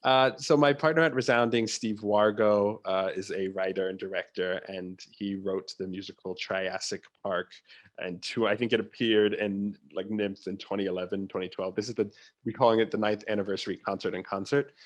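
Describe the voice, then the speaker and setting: A man's voice: fairly low pitch, steady tone, moderate pace. A man talking informally as an interview guest, with asides and the odd mimicked reaction. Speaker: theatre producer, interview guest. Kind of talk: casual conversational interview.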